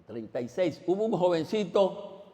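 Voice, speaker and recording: A man preaching a sermon as pastor. He questions the congregation directly and swings between loud exclamations and quiet asides. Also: high voice, big pitch swings, normal speed. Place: church. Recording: long reverb in a church hall.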